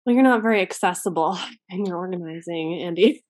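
Animated chatty woman telling stories. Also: fairly low pitch, dry recording. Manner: animated storyteller, full of "like" and quick asides. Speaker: podcast co-host. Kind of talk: casual chat.

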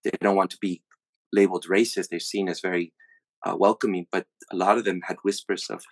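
A man in his thirties from the USA talks through his thoughts in casual conversation, often stalling on fillers and restarting his sentences. His voice sits a little low. The recording is dry, with no room sound. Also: flat delivery, fairly quick, dry recording. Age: 30s. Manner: hesitant, many fillers and restarts.

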